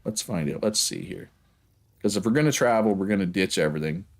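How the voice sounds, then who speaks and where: A man's low, animated voice moves fairly quickly as he chats casually with viewers on a game livestream. He has a Prince Edward Island Canadian accent, rambles freely, and often asks "right?".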